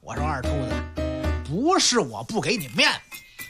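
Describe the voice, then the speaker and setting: A woman's voice: low-pitched, wildly swooping pitch, unhurried, full character voice. A woman voicing a slick male bike-shop boss who dodges blame with glib, placating excuses, in a radio comedy drama. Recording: radio drama with music bed. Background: music.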